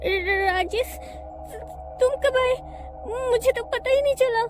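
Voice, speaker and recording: A frightened young woman, voiced by a woman, talks slowly and anxiously, stumbling over her words. Her voice is very high. Soft music plays behind her. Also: flat delivery. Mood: terrified. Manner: anxious, stammering.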